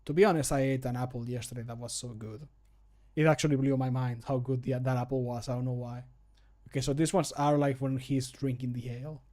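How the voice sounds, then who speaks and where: A man's voice: mid-range voice, steady tone, brisk, warm tone. A man in his thirties chatting casually as a streamer, joking and poking fun at himself, with the odd swear word. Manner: joking, self-mocking, sweary. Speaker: streamer recording mod voice lines. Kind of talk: casual chat to viewers. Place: small room at home, indoors.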